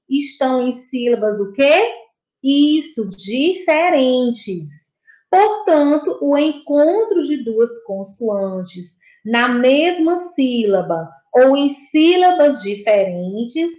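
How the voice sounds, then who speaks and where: A Brazilian Portuguese woman teaching a recorded lesson to young children, patient and encouraging, repeating each point and praising answers. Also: sits high. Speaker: primary school teacher. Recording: dull, echoey room.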